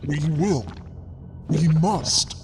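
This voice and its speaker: A man playing an earnest, steadfast castaway in an audio drama, pleading slowly and emphatically with a despairing crew. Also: on the high side, slight background noise. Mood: insistent. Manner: slow, halting, emphatic pleading. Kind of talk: audio drama acting over music.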